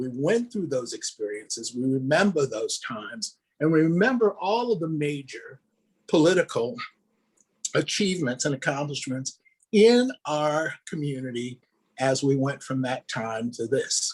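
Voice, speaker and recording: A man's somewhat breathy, fairly high voice with an American accent, very wide pitch swings, and a fairly slow pace. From Chicago, South Side. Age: 70s. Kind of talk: speech to an audience.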